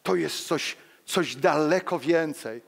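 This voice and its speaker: A man in his sixties, a pastor, preaching a lively sermon with personal stories to a congregation, acting out the quotes as he moves among the pews. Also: on the high side, takes it slowly, vocal fry. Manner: animated, walks among the pews, acts out quotes. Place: church hall. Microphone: headset mic. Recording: long church reverb.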